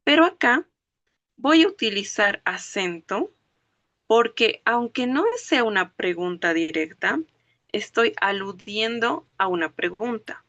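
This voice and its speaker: Woman language teacher, bright tone, patient step-by-step explaining. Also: mid-range voice, animated, dry recording, muffled recording. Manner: explains slowly, checks understanding with "¿ok?" and "¿no ve?". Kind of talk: classroom lecture.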